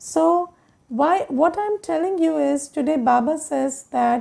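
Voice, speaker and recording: Lively intonation rides on a dark, mellow tone. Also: woman. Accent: Indian. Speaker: spiritual teacher. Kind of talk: spiritual talk.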